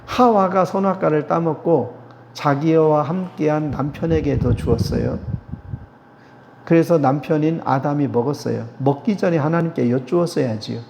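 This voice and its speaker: A middle-aged man, a theology professor, giving a slow, emphatic lecture-sermon at a church gathering and putting questions to his listeners. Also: on the high side, gravelly, darkish tone, slight background noise. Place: church hall. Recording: dull lo-fi sound with long hall reverb.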